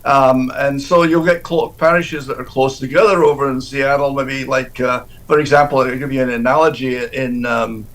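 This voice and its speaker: A man, a deacon, answering interview questions in a halting way, often restarting and repeating words. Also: mid-range voice, fairly even intonation, a bit bright, rough recording.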